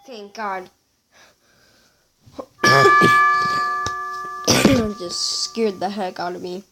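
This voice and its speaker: A woman's voice: mid-range voice, fairly even intonation, measured pace, heavy background noise. A woman giving casual commentary as she plays a horror game, sounding scared and exclaiming. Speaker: gamer playing a horror game.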